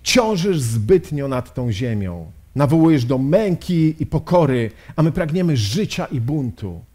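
A man reading aloud the lines of a defiant middle-aged revolutionary leader who mocks heaven, slow and dramatic within a sermon. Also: fairly high pitch, very animated, mellow. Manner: scornful, challenging heaven.

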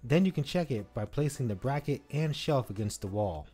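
A man's voice: mid-range voice, lively intonation, brisk, dark tone, husky, faint music behind. A man, co-host of a home-improvement channel, giving a scripted step-by-step voice-over on installing a shelf. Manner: instructive, step-by-step.

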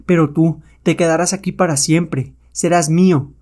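A man's voice: on the high side, fairly even intonation, normal speed, a little mellow, close to an everyday voice. A man voicing an imperious, threatening white witch who rules a savage jungle, in a comic-book story. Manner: commanding, threatening.

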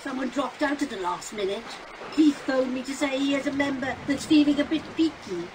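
A woman's voice: sits high, brisk, lightly acted. A woman playing a polite, pompous prince in an audio pantomime, speaking with formal, grand courtesy. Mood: courteous. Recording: noisy home video-call recording.

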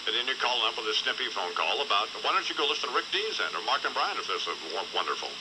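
A man's voice: medium pitch, sing-song, racing. A man in his fifties hosting a morning radio show, grumbling and teasing his guest in a noisy old broadcast. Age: 50s. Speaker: radio host.

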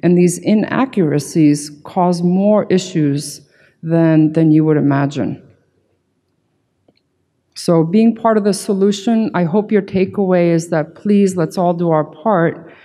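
A woman's voice: fairly low pitch, unhurried, warm tone. A middle-aged woman giving a conference talk from a podium, explaining things in an emphatic, informal way with plenty of conversational check-ins. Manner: emphatic, informal, peppered with "right" and "you know". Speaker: conference keynote speaker, security consultant. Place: large conference hall stage at a podium. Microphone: podium gooseneck microphone. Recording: hall reverb from a PA.

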